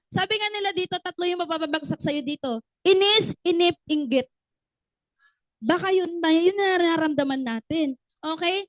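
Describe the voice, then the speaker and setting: A woman's voice: extremely high pitch, fairly bright tone, dry recording, poor audio. A woman giving a motivational business training talk, often asking the audience questions and acting out little stories.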